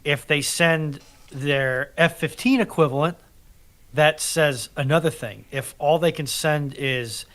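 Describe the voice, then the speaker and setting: Slow-paced, wry man in casual discussion. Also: mid-range voice, a bit bright. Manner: wry, dryly sarcastic. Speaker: co-panelist in discussion. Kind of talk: casual conversational commentary.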